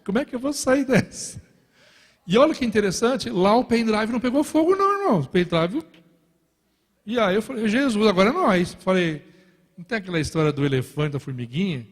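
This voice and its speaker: Pastor with a high voice in a reverberant church. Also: male voice, a little fast. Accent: Brazilian Portuguese. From Brazil. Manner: lively, joking storytelling with repeated "irmãos" asides. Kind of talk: sermon. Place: large church hall.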